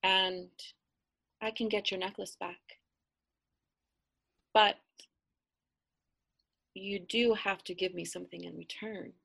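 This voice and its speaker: A sly, wounded old grandmother from a spoken folk tale, coaxing and soft, as a woman puts her on. The voice is slow and slightly husky, almost hushed at times. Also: mid-range voice, steady tone, heavily acted.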